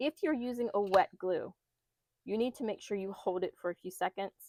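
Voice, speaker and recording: A woman at medium pitch with a plain, everyday voice, moderate pace, and a dry, close sound with no echo. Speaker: crafting tutorial host. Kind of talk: tutorial.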